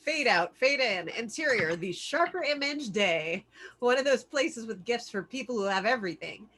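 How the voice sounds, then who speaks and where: Female table-read narrator, bright forceful tone, scripted stage directions. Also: a little high, lively intonation, normal speed.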